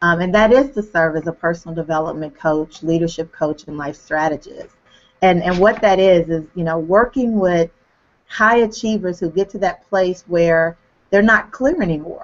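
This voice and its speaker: A woman with an American accent and an ordinary speaking voice, fairly low-pitched, at a moderate pace with ordinary pitch variation. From Kentucky and Ohio. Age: middle-aged. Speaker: life and leadership coach. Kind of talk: interview.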